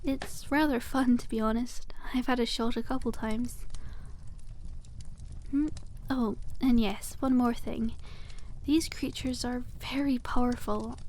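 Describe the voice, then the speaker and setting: A cute young witch shopkeeper played by a woman talks in a fairly high, soft ASMR voice. She is cheerful and quaintly polite, gently selling dragon eggs to a customer. There is noticeable ambient noise behind her. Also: fairly even intonation, a little slow, lightly acted. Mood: candid, friendly. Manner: gentle sales patter, quaint polite wording. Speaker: ASMR roleplay performer. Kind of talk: soft-spoken ASMR roleplay, one-sided conversation with a customer.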